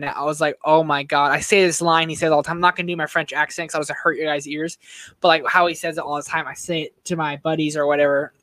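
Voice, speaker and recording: A young man co-hosts a podcast in loose, animated chat, his voice a little high and bright. He talks in slang and laughs often. The sound is close and dry. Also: dry recording. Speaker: podcast co-host. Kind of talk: casual chat.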